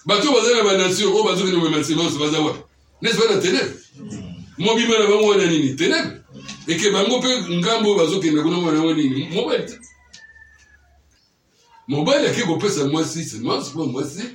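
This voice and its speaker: A man's voice: high voice, expressive, brisk, slight background noise. A man preaching a teaching sermon, often checking that his listeners follow him with questions. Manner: keeps quizzing listeners with questions. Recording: echoey room, mic far off.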